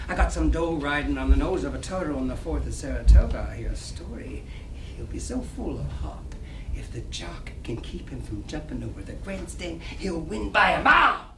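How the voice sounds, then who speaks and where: A man's voice: a little high, very animated, moderate pace. Guy doing a swaggering 1920s small time hustler, slangy braggy talk, far from the mic, lots of room noise. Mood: hedging, boastful. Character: brash, boastful small-time gambler, 1920s New York hustler. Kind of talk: staged dramatic play reading. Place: library reading room, public event. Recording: roomy, distant mic, noisy room.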